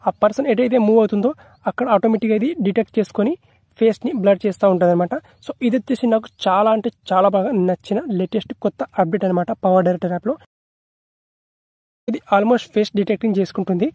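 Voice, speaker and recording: A man's voice: sits high, fast talker, a little mellow, dry recording, studio quality. A man narrating an app tutorial in a repetitive, instructional way, mixing in English tech terms.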